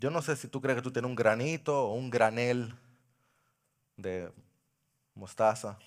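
A male pastor preaching a sermon into a microphone, impassioned, swinging from loud cries to hushed pleading. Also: medium pitch, unhurried.

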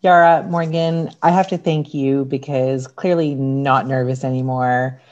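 A woman's voice: a bass voice, steady tone, a little slow, darkish tone. A woman chatting casually as a guest on a podcast. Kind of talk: casual chat. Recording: dull, lo-fi audio.

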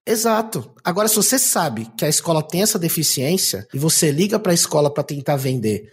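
A man from Brazil, talking in a casual, animated, slangy way and acting out quoted dialogue. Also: a little high, a little fast, husky. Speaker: podcast co-host. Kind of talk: casual chat.

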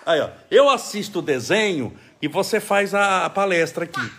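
A man with a Brazilian accent giving an emphatic, animated talk on a live stream from home, with laughing asides. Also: sits high, normal speed, a little hiss or hum. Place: home, caring for his child.

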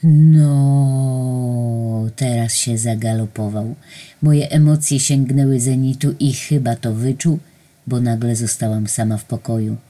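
A woman reading her own story aloud with lively expression. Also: very deep voice, slow.

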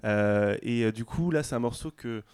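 A man's voice: mid-range voice, moderate pace, a little mellow, smooth. A man hosting a radio show, introducing tracks hesitantly with many fillers. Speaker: radio host. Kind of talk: radio interview.

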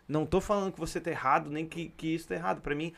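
A man's voice: a little high, fairly even intonation, rapid-fire, creaky, a bit bright. A man, explaining his view in a casual chat with hesitant restarts.

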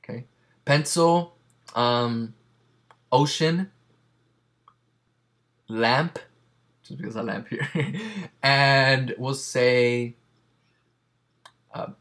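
A man hosts a relaxed interview, rambling a little with lots of fillers and restarts. His first language is Spanish, and his voice sits at an ordinary middle pitch. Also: very slow, pauses often. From Mexican family. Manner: chatty, many fillers and restarts. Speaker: podcast host. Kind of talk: casual interview.

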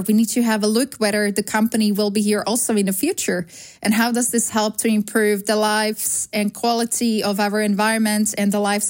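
A woman in her thirties from Slovakia with a Slovak accent, answering interview questions in an earnest, measured way with frequent fillers. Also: medium pitch, a little mellow. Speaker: guest, sustainability consultancy founder.

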